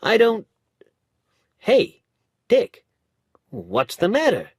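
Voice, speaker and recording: A man voicing a brisk, friendly young male lawyer in a storybook reading. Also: high-pitched, huge pitch swings, a little mellow, breathy edge, dry recording, clean studio sound, pitched above the performer's own voice, exaggerated voice. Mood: chatty. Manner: chatty, raised voice.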